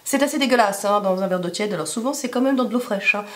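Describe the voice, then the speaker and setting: A woman with a hoarse smoker's rasp being sick, chatting casually to camera in a rambling, self-deprecating way full of asides. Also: medium pitch, fast. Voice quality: raspy smoker's rasp from illness. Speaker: YouTube vlogger.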